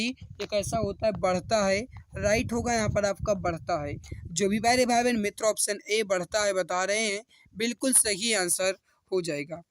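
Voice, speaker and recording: A man's voice: high-pitched, fairly bright tone, no echo. A man teaching as an exam coach, walking students through questions and answers in an instructional way, often addressing them directly.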